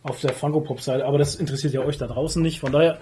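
A man's voice: a little high, fairly even intonation, very fast, mellow, slight background noise. A man co-hosting a podcast, chatting casually in a blunt, slangy, teasing way. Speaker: podcast co-host. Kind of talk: casual chat.

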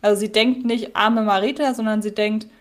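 A woman's voice: mid-range voice, steady tone, moderate pace. Chatty woman podcast co-host. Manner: chatty, many fillers. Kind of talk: casual chat, recapping a radio-play episode.

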